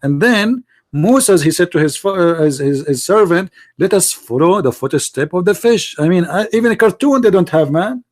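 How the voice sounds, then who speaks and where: A man's voice: high voice, animated, moderate pace, hardly any pauses. A man with an Arabic accent, a native Arabic speaker, hosting a heated religious debate in a confrontational, insistent way, repeating his phrases and questions. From Middle East.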